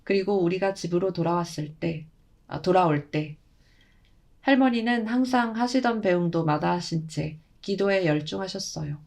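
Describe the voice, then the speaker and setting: A woman's voice: lowish voice, expressive, moderate pace, vocal fry, a little mellow. A woman narrating a horror story in a conversational way, adding her own asides.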